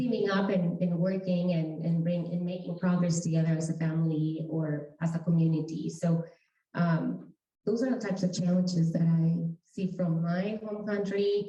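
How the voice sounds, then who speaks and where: A woman with a fairly low voice speaks at a moderate pace, her intonation fairly even. Audible echo from the room surrounds her. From Mexico. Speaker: panelist, engineer. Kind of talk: panel discussion.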